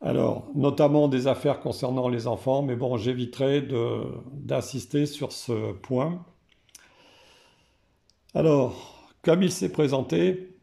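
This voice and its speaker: Hoarse, slow-spoken French man. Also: mid-range voice, mellow. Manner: slow and hesitant, frequent "euh" fillers. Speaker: tarot card reader. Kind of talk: casual explanation to camera.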